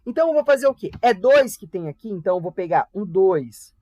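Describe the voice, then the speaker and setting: A man's voice: high voice, sing-song, fairly quick, warm tone, dry recording. A young man with a Brazilian Portuguese accent teaching a casual online chemistry class, chatty and full of tag questions and playful asides. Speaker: volunteer chemistry tutor.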